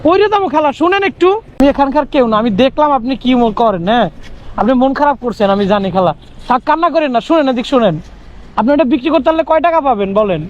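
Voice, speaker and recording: A man's voice: very high voice, lively intonation, quick pace, a little mellow, highs cut off. A young man from Bangladesh in a street vlog, coaxing and pleading, repeating himself. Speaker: vlogger. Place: outdoors on a city street.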